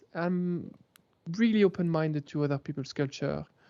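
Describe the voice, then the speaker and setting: A man talks with a fairly high pitch. The intonation is fairly even. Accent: strong French. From France. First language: French. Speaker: YouTube cooking creator. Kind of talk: casual interview chat. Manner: halting, many restarts.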